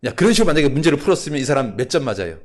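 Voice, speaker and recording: A man's voice: medium pitch, big pitch swings, racing. A male pastor preaching a sermon, keeps asking the congregation questions and telling a story with acted voices.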